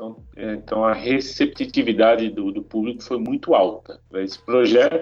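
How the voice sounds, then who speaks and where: A man speaks in an ordinary speaking voice at medium pitch. His pace is moderate, with ordinary pitch variation. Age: 40s. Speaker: publisher and horror fan site founder. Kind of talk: podcast interview.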